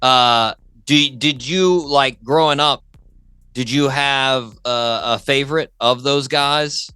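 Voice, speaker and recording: Male interview host. Bright, forward voice, very dry sound, chatty, keen, repeats himself. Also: mid-range voice, slow pace, clean tone, no echo, soft background music. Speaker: talk show host. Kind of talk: casual music interview chat.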